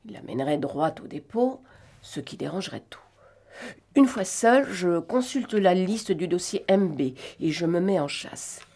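Commanding English detective, clipped and stern, read by a woman narrator, a little low-voiced. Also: lively intonation, measured pace. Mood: scheming. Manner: clipped, commanding, turns sharp and shouting when alarmed. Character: proud shrewd English detective, middle-aged man.

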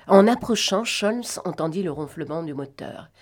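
Woman narrator for an audiobook, expressive and dramatic, low-pitched voice. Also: normal speed. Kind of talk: scripted narration of a novel.

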